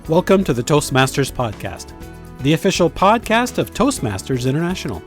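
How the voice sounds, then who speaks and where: A man's voice: fairly high pitch, big pitch swings, a little fast, over music. Upbeat man hosting a podcast. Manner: upbeat, enthusiastic. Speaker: podcast host. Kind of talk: scripted podcast intro and floor interviews.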